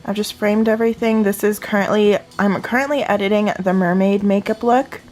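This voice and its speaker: A woman's voice: medium pitch, fairly even intonation, a little fast, darkish tone, faint music behind. A woman vlogger chatting casually and informally to her viewers in a day-in-the-life style.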